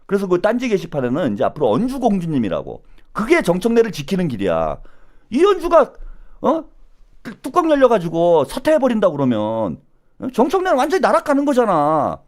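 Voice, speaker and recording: A middle-aged man hosting a live political commentary stream, animated and taunting, who keeps tagging his lines with "eh?". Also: high-pitched, a little fast. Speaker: political commentary channel host.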